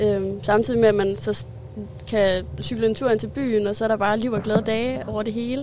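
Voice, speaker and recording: There is noticeable background noise. Through it, a woman speaks at a fairly high pitch. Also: ordinary pitch variation, moderate pace. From Zealand, north of Copenhagen. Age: 20s. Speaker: deckhand and former waitress. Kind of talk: interview.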